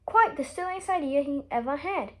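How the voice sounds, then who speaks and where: A woman reading a children's storybook aloud with expressive, emphatic delivery. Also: sits high, normal speed. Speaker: story reader.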